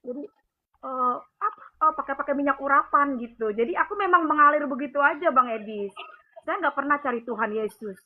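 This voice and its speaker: A woman's voice: high voice, fairly quick. A woman calling in to give a rambling personal testimony, with many fillers. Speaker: caller giving a testimony. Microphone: phone call. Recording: tinny phone line with faint noise.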